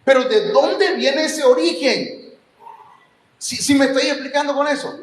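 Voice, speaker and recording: Mexican guy preaching in an echoey church, pretty high voice, gets emphatic and jokes now and then. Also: unhurried. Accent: Mexican Spanish. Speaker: pastor. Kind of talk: sermon. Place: church hall.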